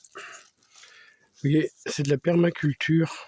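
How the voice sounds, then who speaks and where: A man speaks in a somewhat breathy voice. The sound is dry and close, with no echo. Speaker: gardening vlogger. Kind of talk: casual video tour. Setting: outdoors in a garden.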